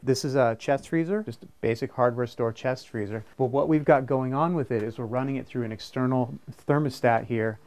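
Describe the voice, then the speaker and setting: A man in his forties, farmer and craftsman from the United States, explains his handmade off-grid setup step by step while walking his small farm inside and out. His medium-pitched voice has a darkish tone, runs a little fast with few pauses, and has no echo; the casual tour feels earnest and practical.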